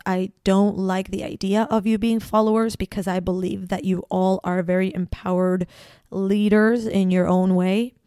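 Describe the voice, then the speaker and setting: A woman's voice: mid-range voice, warm tone, clear, resonant tone, no room sound, studio quality. A woman from Ecuador with a Latin American Spanish accent, hosting a solo spiritual podcast, effusive and repeating phrases for emphasis. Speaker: podcast host.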